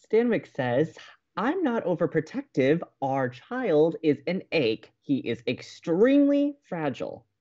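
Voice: mid-range voice, very animated, a little slow, mellow, lo-fi sound. An actor playing a dismayed, fretful young college radio co-host in an audio romantic comedy, with exasperated delivery. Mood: dry, uneasy. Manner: melodramatic, exasperated.

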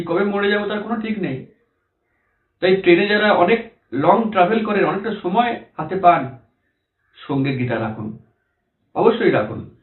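A man giving a devotional talk, answering questions in an earnest, reassuring way and often asking rhetorical questions. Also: fairly high pitch. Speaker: preacher. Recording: echoey, tinny phone-like sound.

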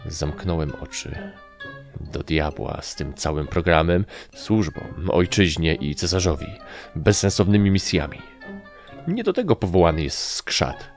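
A man's voice: a bass voice, lively intonation, measured pace, vocal fry, over music. A man reading a first-person story as an audiobook narrator, with a dry, wry way of telling it.

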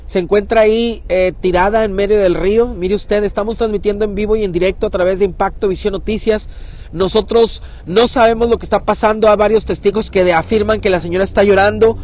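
A man reporting live from a riverbank, urgent and talking fast, sometimes calling out loudly across the water. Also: high voice, steady tone. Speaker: local news reporter. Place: outdoors at a riverbank.

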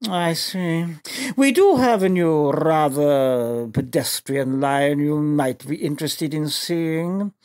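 A man's voice: fairly high pitch, expressive, slow, darkish tone. An actor playing a condescending male shop assistant who talks in a pompous, sneering way in a comedy radio drama. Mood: haughty.

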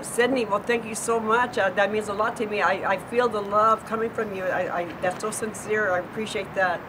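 Older woman, 70s, chatty and sincere, backyard recording with steady noise. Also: mid-range voice, fairly quick. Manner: earnest, chatty, repeats words when thinking. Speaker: neighbor answering viewer questions. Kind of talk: casual outdoor chat. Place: backyard lawn by a wall, outdoors. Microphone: far camera. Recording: outdoor noise, distant camera mic.

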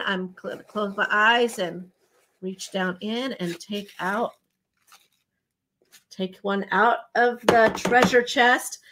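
A woman in her forties hosting a live jewelry shopping show, chatty and enthusiastic with lots of ums, her voice slightly hoarse from a recent bronchitis. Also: mid-range voice. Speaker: jewelry livestream host. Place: indoor home studio room.

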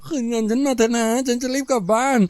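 A man's voice: sits high, fast talker, darkish tone, no room sound, studio quality, pitched above the performer's own voice, natural voice. A man voicing a poor young woman of the night in a story, plaintive and wheedling. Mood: tearful pleading. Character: young, poor, pleading female prostitute, a mother.

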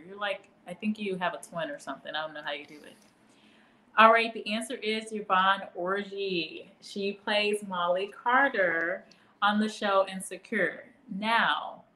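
A woman's voice: mid-range voice, bright, forceful tone, reverberant, slight background noise, rough recording. Chatty woman hosting live trivia. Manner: chatty, greets viewers by name, laughs often. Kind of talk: casual live-stream quiz hosting.

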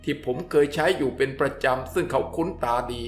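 Man narrating a story over soft music. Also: mid-range voice, brisk. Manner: steady, descriptive reading.

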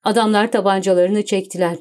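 A woman's voice: mid-range voice, fairly even intonation, fairly quick, a little mellow. Woman narrating an audiobook.

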